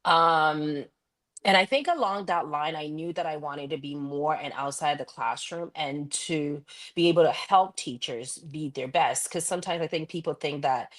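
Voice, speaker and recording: Woman, low pitch, guest educator, earnest, reflective, frequent ums. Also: normal speed, fairly bright tone. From Ghana. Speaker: guest, school vice principal. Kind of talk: interview answers, candid personal story.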